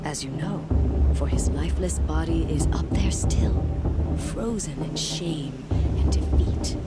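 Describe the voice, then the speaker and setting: An actress playing an old, devout tribal matriarch who tells legends in a solemn, theatrical way for a video game. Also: female voice, low-pitched. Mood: solemn, reverent. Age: older. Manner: slow, theatrical, reverent storytelling. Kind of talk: dramatic storytelling in a video game. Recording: loud music bed behind the voice.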